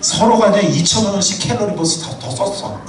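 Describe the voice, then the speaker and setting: A male pastor preaching a sermon in a church, animated and humorous, telling personal anecdotes. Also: high-pitched, brisk, a little hiss or hum. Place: church sanctuary. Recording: echoey hall from far off.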